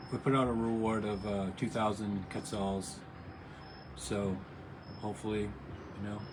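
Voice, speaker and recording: A quiet man's voice with an American accent, fairly low in pitch, monotone and flat, at a fairly slow pace with long, frequent pauses and audible room echo. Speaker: viewer visiting a travel vlogger. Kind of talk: casual interview on a livestream. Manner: halting.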